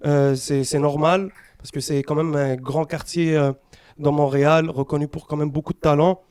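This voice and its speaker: A man interviewing a young rapper, asking easygoing, halting questions. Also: fairly high pitch, level tone, a little mellow, clear, resonant tone, dry recording. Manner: easygoing, hesitant questions with fillers.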